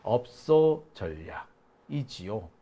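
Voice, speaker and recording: A man's voice: fairly low pitch, sing-song, very slow, highs cut off. A man hosting a live political commentary stream, talking in a combative, mocking way with bursts of swearing, and reading out viewer chat comments. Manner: combative, mocking, profane outbursts. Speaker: political commentary channel host.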